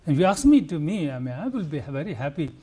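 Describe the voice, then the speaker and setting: An older Nepali man with a Nepali accent, a conservationist answering interview questions earnestly and haltingly, with restarts and fillers. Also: a little high, very animated, mellow, breathy edge. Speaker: conservationist guest.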